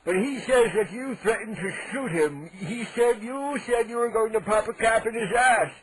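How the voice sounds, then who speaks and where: On a prank call, a man plays a cranky, indignant 87-year-old neighbor, blustering threats with mock-polite outrage. His voice is very high-pitched and moves at a moderate pace. The audio is poor, with crowd noise behind him.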